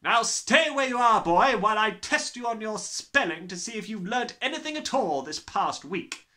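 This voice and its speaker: A man voicing a huge, bullying headmistress, bellowing with scornful, drawn-out menace in a storybook reading. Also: sits high, animated, bright, forceful tone, pitched above the performer's own voice. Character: huge, bullying, furious tyrant headmistress, adult woman.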